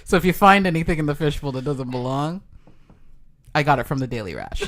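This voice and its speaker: A woman co-hosting a comedy podcast in a studio, playful and quick to giggle. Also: mid-range voice, bright, forceful tone. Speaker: podcast co-host. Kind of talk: joking casual chat.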